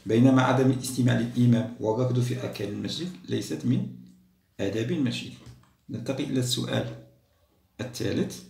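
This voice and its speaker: A male primary school teacher with an Algerian Arabic accent reviews an exam lesson. He reads each question slowly, praises the class and explains each answer. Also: mid-range voice, gravelly, a little mellow, reverberant, far from the mic, a little hiss or hum.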